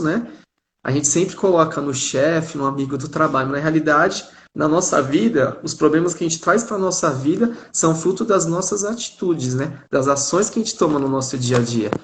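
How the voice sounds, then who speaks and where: A Brazilian man in his thirties, a live stream guest, telling a personal story in an animated, conversational way. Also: fairly high pitch, a little hiss or hum. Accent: Brazilian Portuguese. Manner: animated, conversational, frequent "né?" tags. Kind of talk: casual storytelling.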